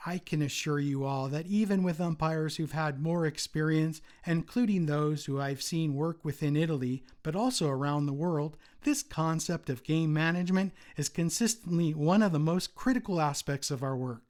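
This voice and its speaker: Formal man with a raised pitch. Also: a little mellow. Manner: measured, formal, read-aloud delivery. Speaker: retired umpire giving a convention talk. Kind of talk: formal prepared presentation.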